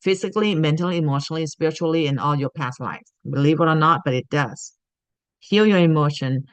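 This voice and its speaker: A woman's voice: low voice, a little fast, clean tone, no room sound. A woman from Thailand giving an earnest spiritual teaching talk, often checking in with "okay?".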